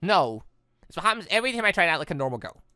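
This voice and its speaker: A man voicing an insecure, self-blaming teenage girl from a visual novel, halting and stammering. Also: high voice, big pitch swings, sharp tone, no room sound, studio quality, heavily acted. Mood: distressed.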